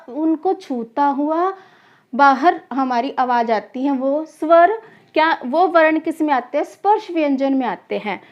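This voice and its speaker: Speaking slowly and deliberately in a high voice, a teacher runs a classroom grammar lesson for exam students, whom she addresses as children. Each question she poses she answers herself, repeating every key term, on a slightly dull, lo-fi recording.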